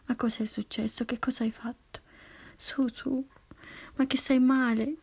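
A woman voicing a worried, caring sister in a hushed, urgent whisper. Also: mid-range voice, monotone, a little fast, breathy edge, no echo.

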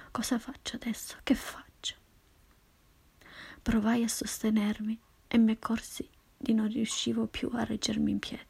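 A woman reading a first-person story in a slow, hushed, intimate whisper. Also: medium pitch, gravelly, husky. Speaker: narrator.

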